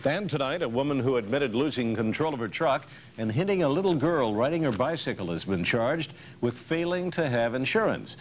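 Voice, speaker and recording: A man's voice: mid-range voice, animated, brisk. A man with an American accent reading scripted television news narration on an old taped newscast. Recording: noisy archival 1990s TV newscast tape.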